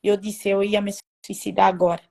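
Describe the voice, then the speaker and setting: A woman telling her personal faith testimony in a halting, emotional way, with many restarts. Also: medium pitch, level tone, vocal fry, warm tone. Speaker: testimony speaker.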